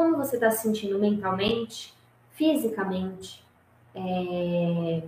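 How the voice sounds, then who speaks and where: A woman with an unremarkable speaking voice talks at a fairly slow pace, her intonation lively. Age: 20s. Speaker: holistic therapist and self-knowledge mentor. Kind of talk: guided breathing exercise; online class livestream. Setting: livestream at home. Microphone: laptop microphone.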